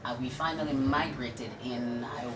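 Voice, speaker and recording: A woman's voice: a bass voice, fairly even intonation, moderate pace. A woman telling her story casually as an interview guest, recorded in an echoey, noisy space. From Jamaica. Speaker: restaurant owner, interview guest. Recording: echoey room with loud-ish background noise.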